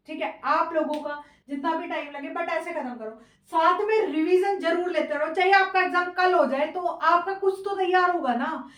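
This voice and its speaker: A woman exam-coaching teacher, lecturing her students casually, scolding yet affectionate and calling them "beta". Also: very high voice. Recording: echoey room, voice from far.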